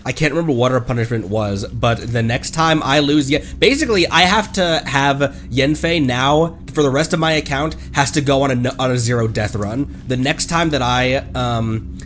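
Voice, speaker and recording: A man chatting casually on a live game stream, playful and quick to react excitedly. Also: mid-range voice, a little hiss or hum. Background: video game music.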